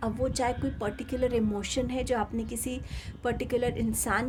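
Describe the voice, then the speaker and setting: Heard with audible room echo, a woman talks fairly slowly at a high pitch. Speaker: tarot reader. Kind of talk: tarot reading video.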